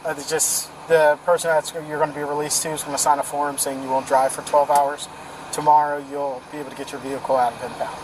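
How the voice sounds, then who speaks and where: A male police officer, recorded on his body-worn camera at an outdoor roadside among vehicles, casually walks through procedure in an informal, matter-of-fact way. His voice sits a little high with little pitch movement, and he talks fast. The bodycam audio is noisy, with a car engine running nearby.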